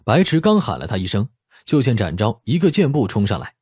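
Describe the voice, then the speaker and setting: A man's voice: fairly low pitch, sing-song, brisk, a little mellow, a little hiss or hum. A man reading a dramatic scripted audiobook narration.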